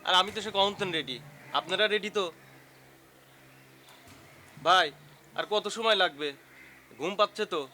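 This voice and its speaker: An actor playing an impatient performer waiting around on set. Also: male voice, sits high, unhurried, long pauses, bright, forceful tone, faint music behind, full character voice. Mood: bored. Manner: impatient, bored.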